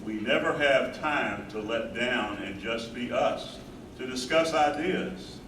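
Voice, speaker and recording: A man playing a concerned, gentle, supportive husband in a staged play reading. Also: medium pitch, slow, recorded from a distance. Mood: weary. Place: live staged reading in a room. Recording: echoey, noisy room from afar.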